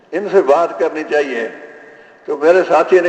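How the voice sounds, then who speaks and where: A man talks over noticeable background noise. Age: 80s+. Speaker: preacher. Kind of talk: sermon. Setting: stage with audience. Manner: animated.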